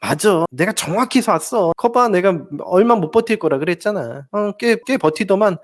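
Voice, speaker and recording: Man doing an insecure partner, whiny, suspicious, needling, high voice, swinging tone. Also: animated, normal speed. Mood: smug. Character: clingy insecure partner, always fearing abandonment.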